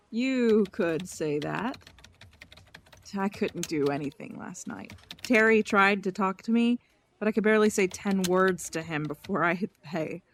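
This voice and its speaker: A woman's voice: mid-range voice, unhurried, slight background noise, natural voice. An actress playing a tired officer who sounds weary and sighs as she talks. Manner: weary, sighing. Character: tired female police officer caring for her mother.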